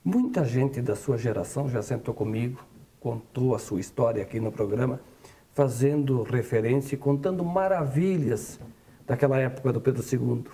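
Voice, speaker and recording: A man's voice: medium pitch, normal speed, mellow. A man hosting a local TV interview show, asking friendly, leading questions. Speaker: TV interview host.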